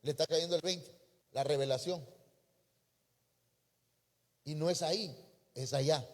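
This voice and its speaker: A man with a Mexican accent preaching a sermon as a pastor, breaking into sudden loud emphatic rises. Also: a little high, a little slow. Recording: reverberant church hall.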